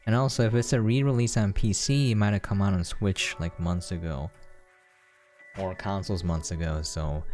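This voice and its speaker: A man's voice: deep voice, darkish tone. A man giving casual, unscripted gameplay commentary as a channel host, talking in a rambling, chatty way. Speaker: video game reviewer and channel host. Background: background music.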